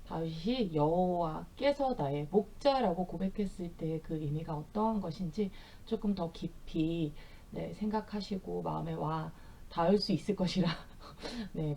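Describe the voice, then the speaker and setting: A middle-aged woman teaching Bible verses in English with explanations, speaking gently with soft fillers and reading verses slowly for repetition. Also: on the low side, a little hiss or hum. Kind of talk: bilingual scripture lesson with slow repetition drills.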